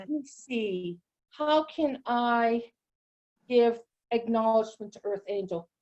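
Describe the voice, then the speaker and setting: A woman's fairly high voice with lively intonation and a dark, mellow tone. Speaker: radio show host and animal communicator. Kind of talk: radio show hosting, casual conversation.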